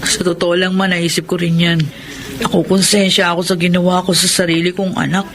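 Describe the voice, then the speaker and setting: A woman's voice: fairly low pitch, level tone, a little fast, a bit bright. A Filipino woman acting a middle-aged, heartbroken and regretful lesbian mother in a radio drama, speaking plaintively and earnestly. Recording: noisy radio drama recording.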